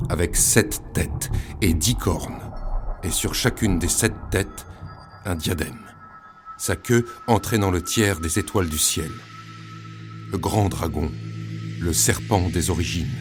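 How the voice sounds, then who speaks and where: Solemn prophet of doom, low-pitched and unhurried, reciting scripture for an audio drama. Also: male voice. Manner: solemn, portentous. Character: solemn male prophet reciting apocalyptic visions. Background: music.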